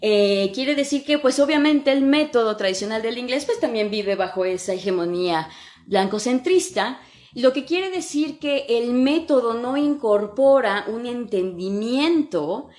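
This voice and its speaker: Blunt Mexican woman, slangy and higher-pitched. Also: unhurried, a little mellow. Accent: Mexican Spanish. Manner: blunt, slangy, swears freely, piles up rhetorical questions. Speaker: English teacher and podcaster. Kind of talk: opinionated casual monologue.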